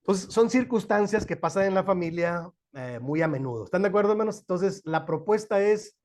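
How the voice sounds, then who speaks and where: Mexican pastor guy, middle-aged, kinda high voice, folksy joking church class talk. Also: animated, brisk, darkish tone. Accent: Mexican Spanish. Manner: folksy and joking, asks the class questions often. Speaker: pastor teaching a family ministry class.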